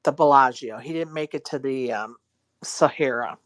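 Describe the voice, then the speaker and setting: A woman's voice: extremely low pitch, moderate pace, no echo. A woman chatting casually and loosely, with conversational filler phrases. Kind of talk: casual chat in a live online audio room.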